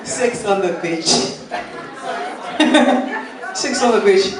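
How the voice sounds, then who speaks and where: A young man from Malawi doing a halting, rambling stand-up set, laughing at his own jokes, recorded at a live venue. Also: high-pitched, lively intonation. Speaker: stand-up comedian. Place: live comedy venue with audience. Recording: echoey room, far from mic, crowd noise.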